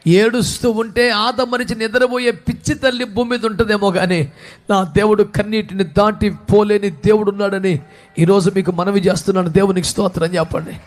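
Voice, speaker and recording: A man with a Telugu accent preaches a sermon in a strikingly high voice. He pleads softly, then rises into loud exhortation. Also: little pitch movement, brisk. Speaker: pastor.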